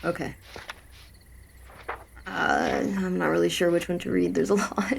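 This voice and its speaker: Shy young man, voiced by a woman, gravelly, lowish, halting. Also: wildly swooping pitch, a little hiss or hum, heavily acted.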